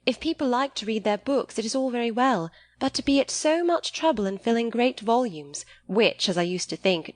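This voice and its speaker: A woman's voice: medium pitch, dry recording, lightly acted. A woman voicing a candid, naive teenage girl in an audiobook, speaking in an eager and artless manner.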